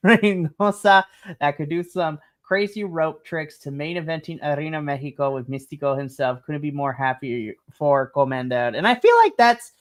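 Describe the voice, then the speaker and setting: A woman co-hosting a casual wrestling recap, chatty and enthusiastic, often breaking into giggles. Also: deep voice. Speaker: podcast co-host.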